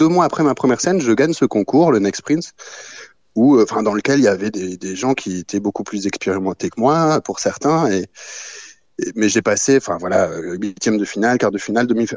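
With lively intonation and a medium pitch, a man speaks in an unremarkable speaking voice. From Belgium, Brussels. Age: 30s. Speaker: comedian. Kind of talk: casual chat.

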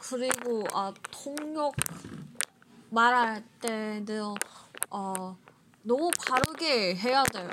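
Fairly high in pitch, a woman talks at a very slow pace with long, frequent pauses and ordinary pitch variation, over noticeable background noise. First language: not Korean (learner) (speaking Korean). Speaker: Korean learner vlogger. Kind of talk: casual monologue to viewers. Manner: halting, many fillers.

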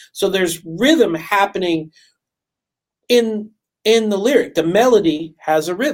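Pausing long and often, a man with a high voice talks at a fairly slow pace with lively intonation. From US South (Memphis, Tennessee). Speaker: drummer. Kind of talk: interview. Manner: halting, many repetitions.

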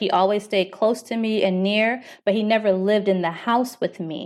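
Speaking in an American accent, a woman with an unremarkable speaking voice keeps a medium pitch, fairly even intonation and a moderate pace. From Las Vegas, US. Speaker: author and social entrepreneur. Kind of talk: interview.

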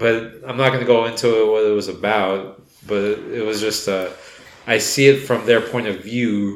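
Monotone, flat intonation comes through with audible room echo and noticeable background noise. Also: man, medium pitch for a man, moderate pace. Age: 30s. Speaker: movie review podcast co-host. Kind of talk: casual chat.

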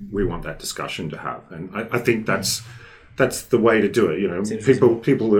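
A man with an Australian accent speaks at a fairly quick pace. His pitch variation is ordinary, and noticeable background noise is present. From Victoria, Australia. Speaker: state politician. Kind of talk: interview, policy discussion.

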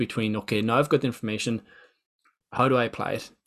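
A man speaks at medium pitch with an Irish accent. The recording is very clean, with a silent background. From Ireland. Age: 30s. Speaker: podcast host. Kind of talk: casual interview chat.

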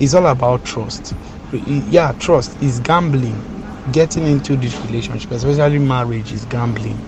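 There is noticeable background noise behind this man's medium-pitched voice. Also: ordinary pitch variation, moderate pace. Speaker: caller. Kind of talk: casual chat. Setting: phone call.

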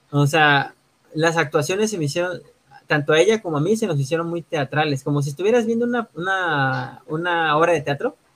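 In an ordinary speaking voice, a man talks fairly quickly with fairly high pitch and ordinary pitch variation. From Veracruz, Mexico. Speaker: podcast host. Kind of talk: casual chat.

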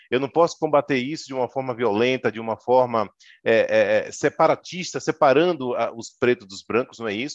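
A man speaks in a plain, everyday voice at a medium pitch, with ordinary pitch variation and a dry, close sound with no echo against a quiet background. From Bahia, Brazil (rural). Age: 50s. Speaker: corporate security manager. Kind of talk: interview on a live panel show.

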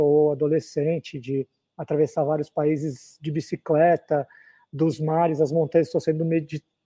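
He talks at a moderate pace. This man's pitch is high. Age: 50s. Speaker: long-distance cyclist. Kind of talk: casual chat.

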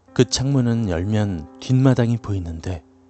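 Fairly low-pitched man with lively intonation at a fairly slow pace, over music in the background. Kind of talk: horror narration. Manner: formal, hushed storytelling that builds suspense.

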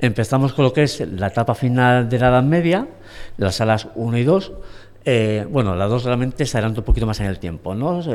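Using an unremarkable speaking voice, a man talks at medium pitch and a fairly quick pace with ordinary pitch variation. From Mallorca, Spain. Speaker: museum director. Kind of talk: live podcast interview. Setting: museum hall with live audience.

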